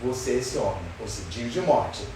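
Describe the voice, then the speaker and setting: A man's voice: medium pitch, lively intonation, brisk. A man teaches a Sunday school Bible lesson, questioning his class in an emphatic way. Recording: roomy far-off sound with faint noise.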